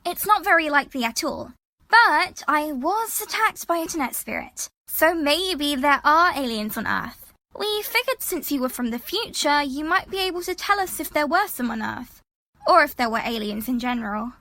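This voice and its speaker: An earnest young woman acted by a woman with a high, bright voice. She sounds determined and plain-spoken in audio drama dialogue, with a dry recording. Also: expressive, normal speed, no echo, exaggerated voice.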